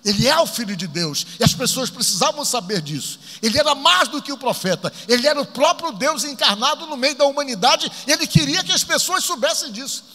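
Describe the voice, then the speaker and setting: A male pastor tells a Bible story from the pulpit with animated, dramatic emphasis. His voice sits high and sounds bright and forceful. A long reverb trails behind him in the church. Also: a little fast, hardly any pauses.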